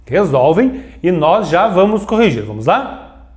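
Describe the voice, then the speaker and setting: Man, teacher, lively classroom delivery, slightly high, mellow voice. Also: a little slow. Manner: animated, stretches words for emphasis, checks in with listeners. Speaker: Portuguese teacher. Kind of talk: classroom grammar lesson.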